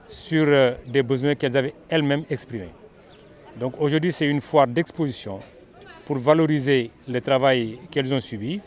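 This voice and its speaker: A man with a Senegalese accent giving an explanatory interview statement as an event organizer, repeating phrases for emphasis. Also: medium pitch.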